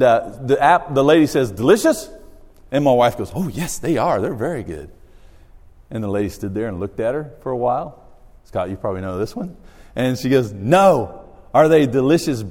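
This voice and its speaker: A man from Australia, a missionary, telling humorous stories in a church talk with a low voice. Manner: storytelling, animated, self-deprecating humor. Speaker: missionary speaker. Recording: long hall reverb.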